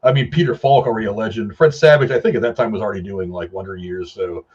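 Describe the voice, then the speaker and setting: A man's voice: lowish voice, fast talker, lo-fi sound, a crowd in the background. A man hosting a film review show, chatting casually and gushing with emphatic repetition.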